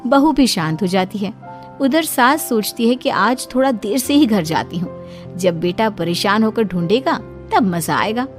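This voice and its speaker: A woman narrating a cartoon family story in a steady storytelling manner. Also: mid-range voice, a little slow, soft background music.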